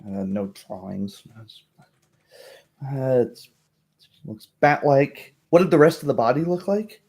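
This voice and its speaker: Guy doing a matter-of-fact village woman for a tabletop game, slow n hesitant, unbothered. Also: medium pitch, expressive, creaky, a little mellow, breathy edge, exaggerated voice.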